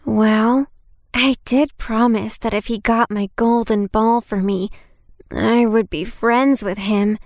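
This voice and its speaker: A woman's voice: fairly high pitch, fairly even intonation, a little mellow, no room sound, clean studio sound. A woman doing a whiny young princess. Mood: reluctant. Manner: whiny, hesitant, drawn-out. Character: young spoiled reluctant princess.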